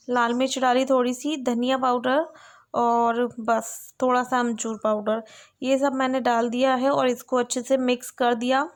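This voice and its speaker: A young woman chatting casually to her viewers in a home vlog while she cooks and sits with her child, speaking through a camera set on a stand. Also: fairly high pitch. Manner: chatty, talks to viewers directly. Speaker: vlogger. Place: home kitchen and bedroom.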